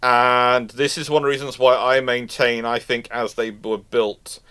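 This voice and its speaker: A man's voice: medium pitch, level tone, moderate pace, bright, forceful tone, clean tone. A British man hosting a live question-and-answer stream, giving informal, discursive and opinionated expert commentary with repeated points. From United Kingdom.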